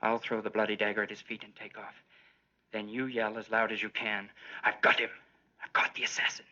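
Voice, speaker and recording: An actor voicing a sly, scheming assassin in an animated Bible drama, talking in a hushed, conspiratorial way. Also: male voice, fairly low pitch, a little fast. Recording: dull lo-fi sound.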